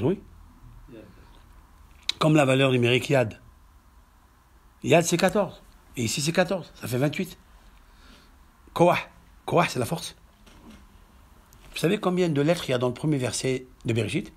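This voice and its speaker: French rabbi guy lecturing a congregation, kinda raspy, pitch jumps all over, keeps asking the crowd if they get it. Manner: lively teaching, swings from hushed asides to emphatic exclamations; asks the audience questions to check understanding. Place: synagogue hall.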